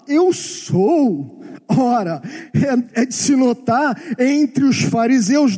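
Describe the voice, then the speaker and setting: A man's voice: extremely high pitch, mellow, breathy edge. A man preaching a Bible teaching sermon, explaining patiently, repeating key phrases and asking rhetorical questions. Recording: long hall reverb.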